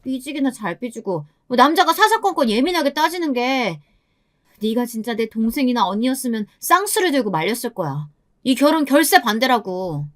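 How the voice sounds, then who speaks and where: A woman voices a blunt, outspoken young girlfriend in a story reading. She scolds in a raised, animated voice and rattles off complaints one after another. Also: on the high side, moderate pace, dry recording, clean studio sound, voice pushed up. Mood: scolding.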